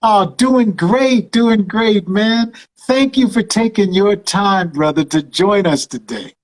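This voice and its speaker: A man's voice: sits high, slow pace. Effusive male host in an echoey room. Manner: effusive, calls guest "brother" and "man". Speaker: show host. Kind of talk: live video call interview.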